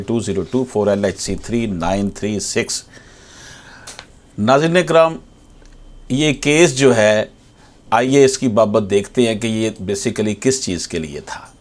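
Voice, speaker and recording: A man with a Pakistani accent explains law to viewers like an advocate, formally, repeating key points and switching into slowly read English. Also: on the low side. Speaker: advocate presenting legal explainers. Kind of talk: explanatory legal lecture to viewers.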